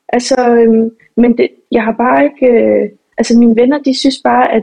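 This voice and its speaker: A woman's voice, dark and mellow in tone, moves along at a moderate pace. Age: 20s. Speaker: journalist. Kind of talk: panel discussion.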